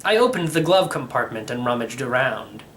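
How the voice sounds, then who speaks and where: A man reading a first-person storybook narration in an expressive, wry manner. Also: mid-range voice, moderate pace, slight background noise. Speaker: storybook reader.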